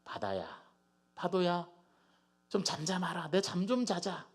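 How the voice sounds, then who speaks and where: Brief: Jesus, tired and stern, shouting or murmuring to the sea, voiced by a male preacher in a sermon, very lively pitch. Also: measured pace, exaggerated voice. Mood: weary. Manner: shifts from loud scolding to tired, soft murmuring. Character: Jesus, a weary man calming the sea.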